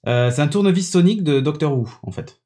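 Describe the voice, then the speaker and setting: This tech podcast host sounds fairly high-pitched, mellow and animated, moving at a quick pace. He's showing off a gadget in a casual, chatty, enthusiastic way, stumbling into plenty of hesitations, on a studio microphone set on a mixing desk.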